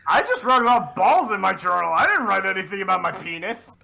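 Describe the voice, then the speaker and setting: A young man co-hosting a comic reading, riffing and joking in an animated, mock-indignant way. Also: high-pitched, fairly quick, vocal fry, music in the background, poor audio. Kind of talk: comic banter and dramatic reading.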